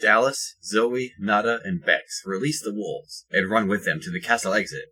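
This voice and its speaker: A man reading scripted third-person narration for an audio drama in a husky voice. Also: on the low side, moderate pace, bright, forceful tone, rough recording.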